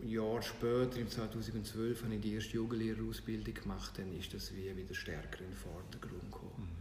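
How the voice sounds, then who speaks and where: A man with a Graubünden accent is heard amid noticeable background noise and audible room echo. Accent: Graubünden Swiss German dialect. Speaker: yoga studio owner and teacher. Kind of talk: interview. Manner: halting, many fillers.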